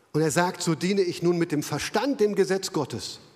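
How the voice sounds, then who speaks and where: The voice sounds animated, with ordinary pitch variation. It moves at a moderate pace. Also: man. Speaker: preacher. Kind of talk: sermon in church, mixing jokes with Bible teaching. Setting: church with live congregation. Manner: animated, humorous, conversational; direct and earnest when addressing the congregation.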